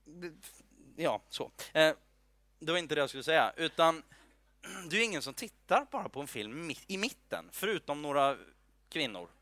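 Explaining a Bible passage in a casual sermon, a male preacher speaks in a fairly high-pitched, bright and forceful voice, with no room sound. He chats, jokes, fills his speech with fillers and restarts, and keeps asking his audience "are you with me."

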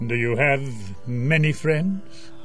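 An actor playing an earnest, gently admonishing Catholic priest in an audio drama, with a measured, counseling manner. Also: male voice, mid-range voice, expressive, soft background music. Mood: gentle, pastoral.

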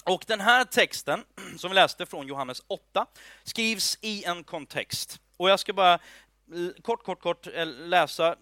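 A man's voice: sits high, sharp tone, no echo, studio quality. A man giving an informal, chatty sermon, joking and checking in with his listeners as he explains a Bible passage. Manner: chatty, joking asides, many fillers and restarts; asks the audience "are you with me". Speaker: preacher.

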